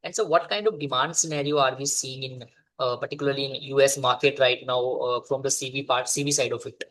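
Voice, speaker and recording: A man's voice: mid-range voice, fairly even intonation, quick pace, a bit bright, low-quality recording. A man speaking as an investor, asking questions in hesitant pieces on a conference call.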